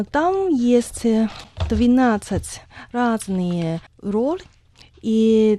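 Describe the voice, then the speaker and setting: A woman speaks with a Taiwanese accent at a fairly high pitch. Her tone is dark and mellow, with lively intonation. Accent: Taiwanese Chinese-accented Russian. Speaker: guest, shop owner of toys. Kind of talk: interview. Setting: studio. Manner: halting, with hesitations.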